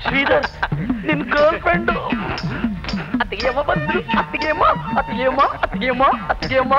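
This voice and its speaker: A man's voice: very high voice, a little fast. An actor playing a joking young man who teases his friends. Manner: joking, teasing, chuckling. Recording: dull old film soundtrack with music.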